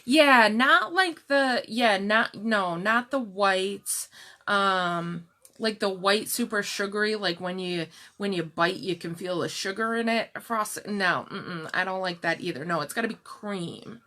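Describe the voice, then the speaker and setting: Woman, middle-aged, soft calm voice, leisurely pace, live jewelry seller, chatty. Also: medium pitch. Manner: unhurried, chatty, answers viewer comments by name. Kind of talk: slow live-stream product showcase chat.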